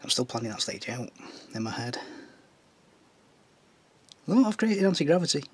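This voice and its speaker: A Northern English man with a husky, strained voice, recovering from tonsillitis, chatting casually as he paints a scale model. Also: on the high side, big pitch swings, normal speed, no room sound. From Northern England. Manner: chatty, jokey asides while working.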